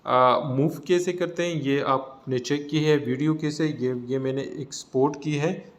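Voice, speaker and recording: A man with a South Asian accent gives a casual software tutorial, explaining informally step by step. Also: fairly high pitch, steady tone, a little slow. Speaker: tutorial presenter. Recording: noticeable background noise.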